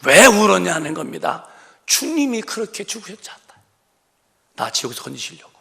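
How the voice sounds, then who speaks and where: A man's voice: high voice, sing-song, brisk, gravelly, pushed and bright. A male pastor preaching a sermon in a church, telling an emotional story and breaking it up with rhetorical questions. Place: church sanctuary.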